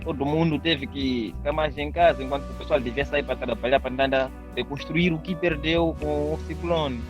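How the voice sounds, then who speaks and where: Higher-pitched Mozambican man over music. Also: fairly quick. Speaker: interviewee. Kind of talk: casual interview talk.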